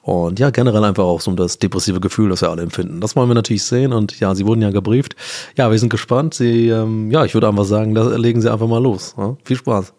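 A man voicing a hesitant male casting director who fills every pause with ums. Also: lowish voice, steady tone, darkish tone. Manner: halting, full of ums.

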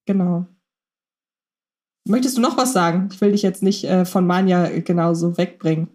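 A woman's voice: fairly low pitch, fairly even intonation, moderate pace, a little mellow. A woman co-hosting a podcast about radio plays, chatting casually with many fillers and restarts. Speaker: podcast co-host.

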